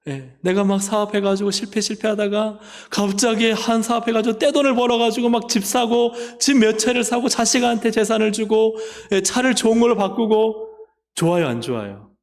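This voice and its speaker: Man preaching, high voice, big swings loud to whisper, long church echo. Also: moderate pace. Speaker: pastor. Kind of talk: sermon. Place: church sanctuary.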